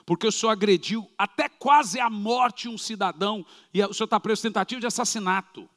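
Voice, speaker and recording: A man's voice: high-pitched, fairly quick, a bit bright. A man doing a curt small-town police chief. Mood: stern. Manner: curt and commanding. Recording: reverberant church hall.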